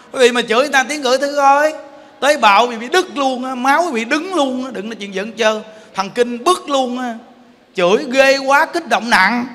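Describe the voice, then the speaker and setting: Male Buddhist preacher, Southern Vietnamese accent, high pitch, emphatic and teasing, long hall reverb. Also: sharp tone. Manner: emphatic, playful, asks the audience rhetorical questions. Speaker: Buddhist teacher. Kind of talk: Buddhist sermon.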